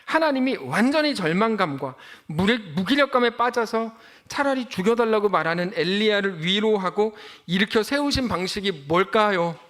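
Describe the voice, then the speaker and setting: A man giving a sermon as pastor, conversational and joking, acting out quick bits of dialogue as he speaks. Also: high voice, expressive, a bit bright.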